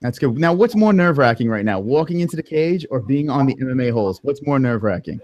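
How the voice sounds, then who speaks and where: Lively New York man hosting. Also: medium pitch, fast, dry recording, lo-fi sound. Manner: joking, laughs often, stumbles over words. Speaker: host. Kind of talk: casual livestream interview.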